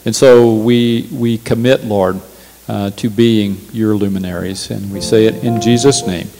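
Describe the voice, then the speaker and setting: A man's voice: on the low side, fairly even intonation, measured pace, warm tone, long reverb tail, faint music behind, low-quality recording. A male pastor preaching a sermon in a church, emphatic and repeating his key phrases. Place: church sanctuary.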